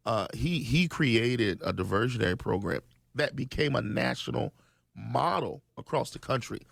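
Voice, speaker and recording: A man's voice: mid-range voice, lively intonation, normal speed, creaky, a bit bright, no echo. A man, a guest in a radio studio, talking earnestly and restarting his sentences often. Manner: earnest, many ums and restarts. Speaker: state legislator guest. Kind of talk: conversational radio interview.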